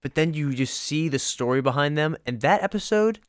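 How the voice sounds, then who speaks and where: An excitable young man co-hosting a podcast, tripping over his words and circling back as he talks. His voice sounds smooth and clear, recorded close and dry with no room around it. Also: a little fast, dry recording. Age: young adult. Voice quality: higher voice. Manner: excitable, rambling with many restarts. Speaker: podcast co-host. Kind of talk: casual chat.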